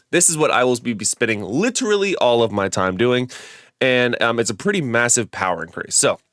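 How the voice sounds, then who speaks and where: A lower-voiced man with a stuffy, nasal sound from a head cold talks through a game guide in a loose, rambling way, full of ums and restarts. The close mic gives a dry, dead sound. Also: fairly bright tone, no echo. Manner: chatty and rambling, many fillers and self-corrections. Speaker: gaming video creator. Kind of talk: casual game guide commentary.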